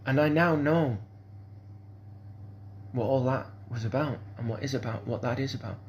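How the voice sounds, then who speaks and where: A man's voice: medium pitch, moderate pace, muffled recording, a little hiss or hum. A man, speaking in a rambling, hesitant monologue full of fillers and restarts. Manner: hesitant, repeats "kind of sort of", restarts often.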